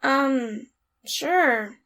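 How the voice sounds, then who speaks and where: A woman's voice: sits high, animated, extremely slow, a bit bright, heavily acted. A woman playing a tired, flippant young reluctant hero in an audio drama, offhand and sarcastic. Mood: offhand, impatient.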